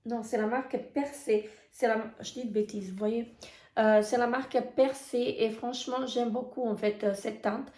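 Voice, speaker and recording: A woman with a hoarse voice giving a casual beauty product review, talking in a halting way full of hesitations. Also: on the high side, fairly even intonation, darkish tone. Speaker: beauty vlogger. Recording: echoey room.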